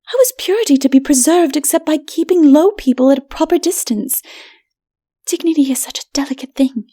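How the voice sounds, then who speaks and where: A female narrator plays a high-voiced, haughty but fearful woman in a dark fantasy storybook. The delivery is breathy and whispery, timid and trembling, with a snobbish streak. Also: expressive, fairly quick. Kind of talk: dramatic audiobook reading.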